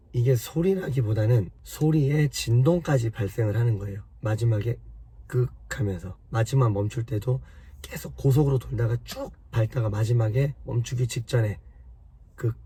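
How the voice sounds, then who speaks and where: A man with a hoarse voice from a cold, patiently explaining car repair step by step to his viewers in a casual way. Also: mid-range voice, dark tone. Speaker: car maintenance vlogger.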